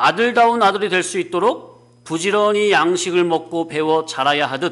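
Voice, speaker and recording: This man's pitch is high with ordinary variation, and he speaks at a moderate pace. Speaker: pastor. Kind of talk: sermon. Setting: church.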